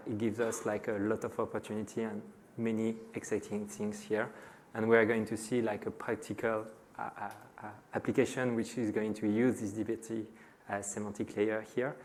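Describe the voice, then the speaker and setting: A middle-aged man from France with a French accent, giving a conference talk to a live audience and pausing often on filler sounds. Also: lowish voice, flat delivery, darkish tone, slight background noise. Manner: frequent hesitations with many "uh" fillers. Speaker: conference speaker.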